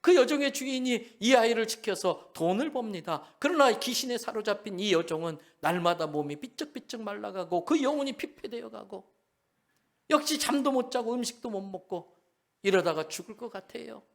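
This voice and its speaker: A man's voice: high-pitched, expressive, normal speed, gravelly. Male pastor preaching with swinging intensity. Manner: dynamic, shifts between hushed and loud. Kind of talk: sermon.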